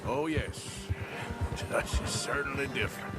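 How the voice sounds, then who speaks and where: An actor playing a weary, plain-spoken Western outlaw in a video game, with a folksy, rough-spoken American drawl. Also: male voice, mid-range voice, a little slow, natural voice. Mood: reflective. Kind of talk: video game character dialogue. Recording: loud music behind the voice. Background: loud game music.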